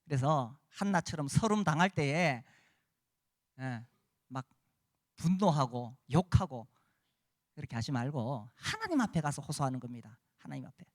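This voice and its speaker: A man's voice: on the high side, no room sound, clean studio sound. A man preaching a sermon as pastor, conversational with many fillers and tag questions, rising to emphatic cries.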